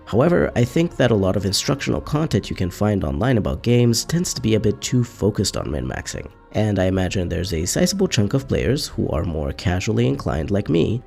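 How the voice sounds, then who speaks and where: Calm, deep, gravelly-voiced man. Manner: calm, measured, explanatory. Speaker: gaming channel host. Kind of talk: scripted video essay narration.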